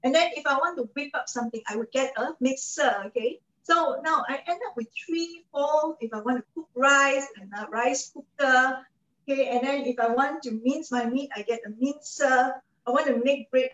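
Malaysian woman in her forties, high voice, persuasive host, echoey distant webcam sound, muffled. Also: normal speed, fairly bright tone. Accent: Malaysian English. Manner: chatty, persuasive, checks in with "okay?" and "right?". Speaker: cooking show host and product advisor. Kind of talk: product presentation to an online audience. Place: home kitchen, indoors.

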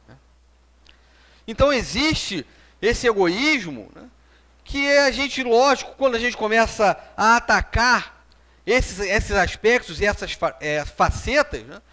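A man's voice: high-pitched, fairly bright tone. A middle-aged Brazilian man giving a conversational spiritist lecture, standing and gesturing, often tagging lines with "né?", in a small hall picked up by a room mic. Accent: Brazilian Portuguese. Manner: standing and gesturing while speaking. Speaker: speaker giving a public talk.

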